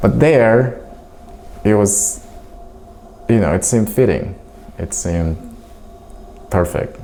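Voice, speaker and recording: A man with a Russian accent speaks at a very slow pace, his pitch fairly low and his intonation lively. Long pauses come often, and there is noticeable background noise. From Crimea, Ukraine. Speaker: English teacher. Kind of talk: personal monologue vlog. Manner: hesitant, many fillers.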